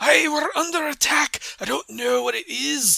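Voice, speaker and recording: It's a put-on character voice that sounds female. The pace is moderate. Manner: alarmed.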